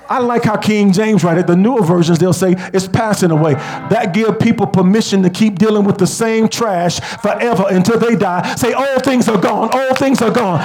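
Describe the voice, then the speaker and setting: A man preaching a sermon, leading the congregation in call-and-response and rising to shouts. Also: sits high.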